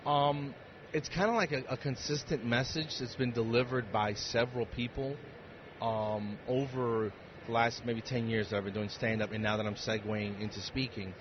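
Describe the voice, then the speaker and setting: Man, forties, joking casual talker, comedian guest, middle pitch, lo-fi location recording, heavy background noise. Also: fairly even intonation, normal speed. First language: Spanish. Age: 40s. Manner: joking, self-deprecating banter. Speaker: interview guest, comedian and speaker. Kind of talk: casual chat. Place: on location at a busy convention. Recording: dull lo-fi, loud event background noise.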